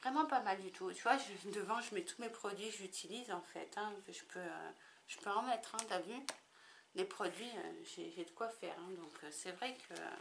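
A woman's voice: medium pitch, moderate pace, gravelly, background noise. A woman chatting casually to the camera in a makeup tutorial, rambling with lots of fillers and restarts. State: tickly throat. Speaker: makeup vlogger.

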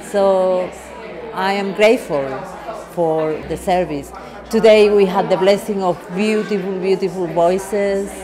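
A reflective woman talks slowly and softly, her sentences drifting quietly at the ends. Her voice sits at a middle pitch. A steady murmur of people chatting fills the hall behind her. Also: a crowd in the background. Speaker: churchgoer. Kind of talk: reflective testimonial. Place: church hall.

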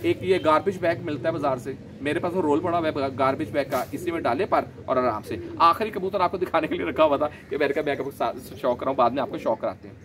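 A man, gently explaining his pigeon keeping in a casual vlog, a little hoarse from a sore throat. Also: fairly high pitch, quick pace, hardly any pauses, background noise. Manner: chatty, gentle, explains while handling birds. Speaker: pigeon keeper vlogger. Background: pigeons cooing.

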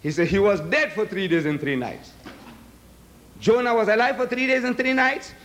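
A man's voice: high voice, normal speed, fairly bright tone. An older man whose first language is Gujarati, arguing emphatically at a podium in a large hall, firing rhetorical questions at the audience. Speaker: debater. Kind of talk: public debate speech. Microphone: podium microphones.

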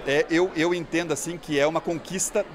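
Fast-talking Brazilian man at an event. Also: a little high, fairly even intonation. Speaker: university campus director. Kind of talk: news interview. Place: indoor event hall. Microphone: handheld reporter microphone. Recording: crowd murmur in event hall.

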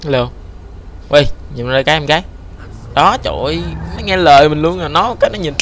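Một người đàn ông Việt Nam bình luận khi chơi game, nói bông đùa, hay lặp từ liên tục khi phấn khích. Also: male voice, on the high side, slight background noise. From Vietnam. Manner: excitable, repeats words rapidly, joking. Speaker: gaming YouTuber. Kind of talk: casual gameplay commentary.

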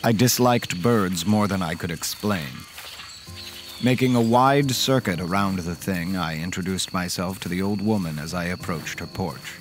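An actor playing a polite, fussy accountant who tells a horror story in the first person, in a measured way. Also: male voice, deep voice, music in the background, natural voice. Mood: reflective.

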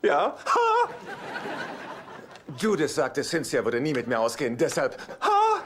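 An actor playing an insecure, eager, hesitant middle-aged divorced dad in a dubbed sitcom. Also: male voice, fairly high pitch, a little slow. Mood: eager, excited. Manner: hesitant and excitable. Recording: noisy TV soundtrack with background ambience.

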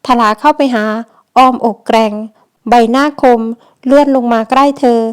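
Woman audiobook narrator, measured dramatic reading, smooth clear voice, slightly high. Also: fairly even intonation. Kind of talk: scripted novel narration.

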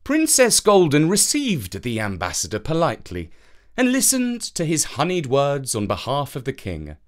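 A storyteller reading a scripted children's fairytale with expressive, careful phrasing. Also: medium pitch, moderate pace.

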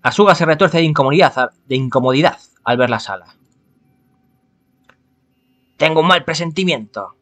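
Animated man from reading a game. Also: fairly high pitch, normal speed, pauses often. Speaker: gaming streamer. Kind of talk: reading a visual novel aloud with casual commentary.

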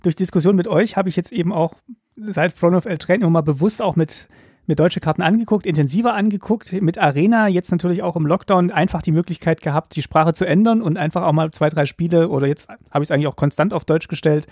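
Man, native German speaker, casual podcast co-host, slightly high voice, dry recording. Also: darkish tone, breathy edge, no echo. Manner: quick, explanatory, with fillers like "halt".

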